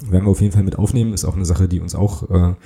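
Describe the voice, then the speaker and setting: A man's voice: sits low, flat delivery, rapid-fire, creaky, warm tone. A man co-hosting a casual fan podcast, rambling with many fillers and restarts. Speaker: podcast co-host.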